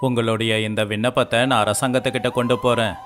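A man voicing every male figure in a cartoon village story, in an even, scripted delivery. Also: medium pitch, quick pace. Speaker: voice actor for all male figures. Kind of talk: scripted dialogue of an animated moral story. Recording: faint music underneath.

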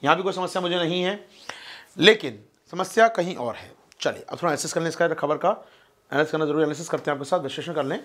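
A fast-talking man teaching an online exam-prep class, his voice sitting fairly high. He keeps asking his listeners questions and answering them himself, and he calls them his friends. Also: fairly bright tone. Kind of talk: online lecture explaining a map.

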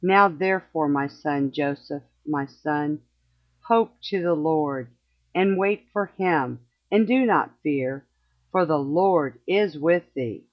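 A mother's voice rises from the grave, as a reader puts her on, gently consoling her son in old-fashioned words. It moves slowly and steadily. The sound is slightly dull and lo-fi. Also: medium pitch, lightly acted. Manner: gentle, consoling in archaic speech. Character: dead mother answering from beneath the grave. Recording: slightly muffled lo-fi recording.

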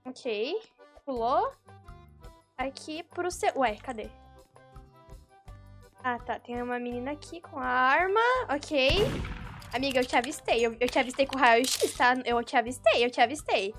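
A young Brazilian woman commentating her own gameplay, with excitable, exasperated outbursts. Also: high voice, measured pace, long pauses, faint music behind. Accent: Brazilian Portuguese. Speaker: gaming YouTuber.

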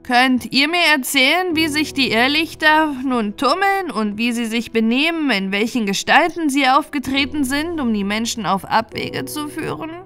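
A woman's voice: high-pitched, lively intonation, moderate pace, hardly any pauses, a bit bright, voice pushed up. Bossy old moor witch played by a female storyteller, chatty and insistent, fairy-tale audiobook with music underneath. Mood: sly, eager.

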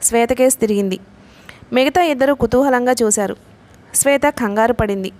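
A woman reading a novel aloud in a steady storytelling manner. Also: on the high side, normal speed. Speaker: audiobook narrator.

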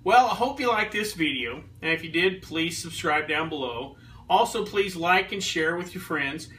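In his home kitchen, a man in his thirties who reviews beer and brews his own talks through a tasting for a casual vlog. His bright, fairly high voice is animated and moves at normal speed, though he rambles with lots of ums and restarts. A fixed camera mic a few feet away makes him sound slightly distant.

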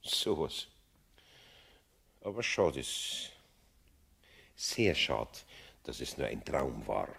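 A kindly, excitable carpenter with a Bavarian accent in a radio play. His slightly rough voice leaps wildly from low muttering to high exclamations, and he takes his time between phrases. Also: very slow, long pauses, heavily acted. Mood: anxious, wistful. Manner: muttering to himself, bursting into exclamations.

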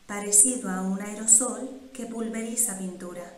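A woman guiding a meditation in calm, measured instructions with pauses between phrases. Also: mid-range voice. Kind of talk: slow, soothing guided meditation. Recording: roomy, echoing sound.

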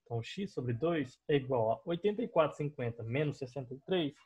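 A man's voice: mid-range voice, animated, fairly quick, darkish tone, breathy edge. A young Brazilian man teaching a math class over a screen recording, explaining each step patiently and often checking in with his students. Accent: Brazilian Portuguese. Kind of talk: online math class explaining on a digital board.

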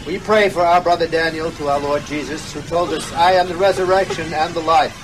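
Actor as a solemn priest, high-pitched male voice. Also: steady tone, background noise, natural voice. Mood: solemn praying. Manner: solemn, liturgical, measured. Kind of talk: radio drama acting.

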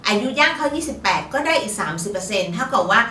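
Very fast and pushed bright, a woman's medium-pitched voice with lively intonation chats politely through lottery tips. She is the fortune teller co-host of a fortune-telling show, her casual talk full of particles. The recording is roomy, distant-miked and faintly noisy.

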